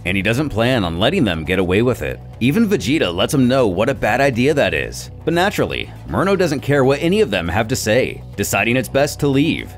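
A man narrates a dramatic scripted story recap with lively, swinging intonation. His voice sits at a middle pitch, and music plays faintly behind him.

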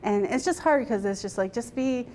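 A woman's voice: fairly high pitch, normal speed, darkish tone, a little hiss or hum. A woman in her thirties, a restaurant owner, talking candidly in a news interview in her dining room, retelling events. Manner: candid, conversational, tells events with quoted speech.

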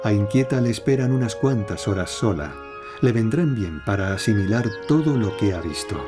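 A man reads scripted nature documentary narration in a measured, dramatic storytelling way. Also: lowish voice, animated. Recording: studio voice-over over prominent music. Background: music, animal sounds.

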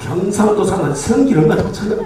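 A brash, profane man works a live crowd in a high, swooping voice, breaking into laughter and barking at stagehands. The sound comes from a camera far off in a very echoey hall, with a faint noisy haze behind it. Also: animated, quick pace. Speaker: pumba street-comedy performer. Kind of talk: live stage banter with audience.

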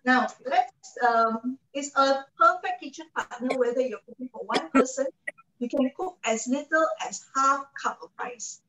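A woman's voice: high-pitched, expressive, a little slow, bright, forceful tone, reverberant, recorded from a distance, rough recording. A woman in her forties with a Malaysian English accent presents a kitchen appliance on a video call from her home kitchen, chatty and persuasive, often checking in with the audience. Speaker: cooking show host and product advisor. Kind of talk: product presentation to an online audience.

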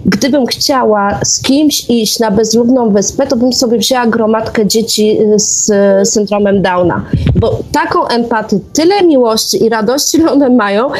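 A woman's voice: a little high, darkish tone. A woman chatting casually and giving her opinions as a guest calling in to a radio show. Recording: clearly noisy call with clicks.

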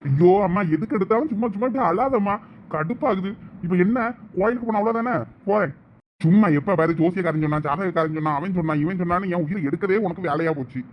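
A man's voice: high voice, quick pace, lo-fi sound, a little hiss or hum, natural voice. A man in a village comedy skit, playing an impatient young son who bickers with his mother and friend. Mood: exasperated. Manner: exasperated, bickering.

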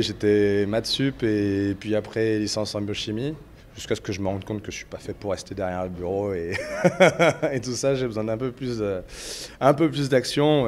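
A man's voice: on the low side, darkish tone, a little hiss or hum. A man, a chef, answering interview questions modestly, with many hesitations.

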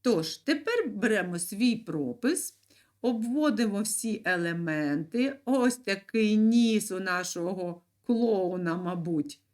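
A woman teaching young children in a video lesson, speaking clearly and encouragingly with sing-song emphasis. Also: mid-range voice, animated, takes it slowly. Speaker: primary school teacher.

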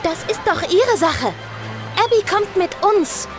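A woman plays a cheeky, loyal girl with a high, youthful pitch. She is plucky in this audio drama. Music is clearly heard behind her. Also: expressive, slow pace, full character voice. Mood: eager, defiant.

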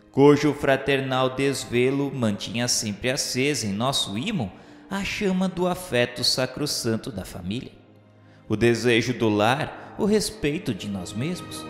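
Solemn Brazilian male narrator in deep reverb. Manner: solemn, formal literary delivery. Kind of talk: scripted audio drama narration of a spiritist novel. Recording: roomy long reverb, music underneath. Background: music.

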